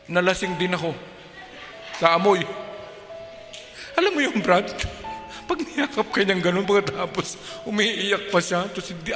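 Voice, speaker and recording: Animated Filipino pastor in echoey hall. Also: male voice, high-pitched. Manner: animated storyteller, acts out dialogue. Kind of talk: sermon storytelling. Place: church. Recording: echoey church hall with music.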